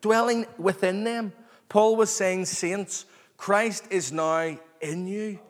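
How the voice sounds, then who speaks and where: A man preaching an expository sermon to a congregation, earnest, excited and emphatic, repeating phrases and calling for response. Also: sits high, takes it slowly. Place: large reverberant room, live before a congregation. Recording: long hall reverb.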